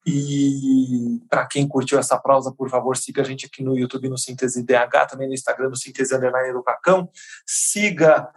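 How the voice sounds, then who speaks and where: A man's voice: medium pitch, fairly even intonation, moderate pace. A man hosting a podcast interview in a casual, effusive way that often repeats words. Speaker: podcast host.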